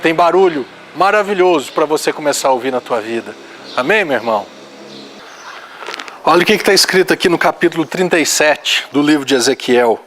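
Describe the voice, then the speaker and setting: A man's voice: a little high, lively intonation, brisk, a bit bright, a little hiss or hum. A man preaching an earnest sermon and reading scripture aloud.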